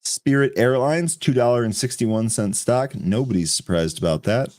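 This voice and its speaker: A man co-hosting a live trading show, calling out tickers and chart levels in brisk, quick succession. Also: medium pitch, a little mellow, no echo, clean studio sound. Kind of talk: live market commentary.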